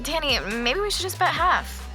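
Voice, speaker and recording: Bright, lively young girlfriend. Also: high-pitched, moderate pace, faint music behind, exaggerated voice. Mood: supportive. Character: savvy young woman, racer's supportive girlfriend. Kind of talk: acted audio drama dialogue.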